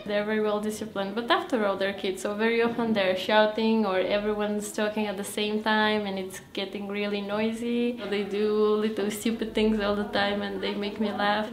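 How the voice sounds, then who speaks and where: Flat-toned young woman, echoey room. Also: mid-range voice. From Bulgaria. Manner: chatty, frank and easily amused. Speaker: volunteer English teacher. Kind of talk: documentary interview. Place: plain room indoors.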